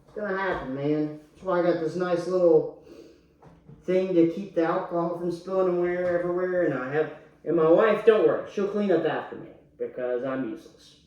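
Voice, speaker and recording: A man's voice: high-pitched, a little fast, darkish tone, highs cut off. A drunk man hosting a casual cocktail tutorial online, talking in a slangy, crude, boisterous way. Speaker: YouTube host. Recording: echoey room, faint background noise.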